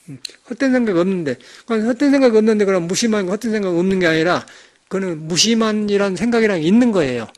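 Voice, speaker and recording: Fast-talking high-voiced monk. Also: male voice. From Jeolla, South Korea. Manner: rambling, emphatic, conversational. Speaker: Buddhist monk. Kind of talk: dharma talk sermon.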